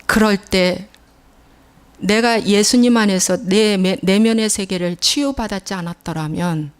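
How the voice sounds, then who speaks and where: A middle-aged woman pastor preaching a sermon in a church, telling stories emphatically and acting out the scolding voices she quotes. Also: medium pitch.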